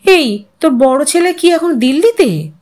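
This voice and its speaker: Woman acting high-voiced, inquisitive older woman friend. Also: lively intonation, measured pace, darkish tone. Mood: curious. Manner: probing, sympathetic questioning. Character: Sujata, inquisitive older widow, sympathetic old school friend.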